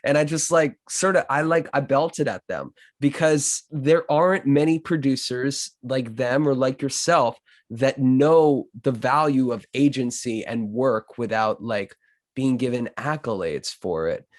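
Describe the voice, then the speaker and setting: A man hosting a podcast conversation in a loose, effusive way, halting and then landing on emphatic phrases. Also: mid-range voice, no echo. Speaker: podcast host. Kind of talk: casual conversational podcast interview.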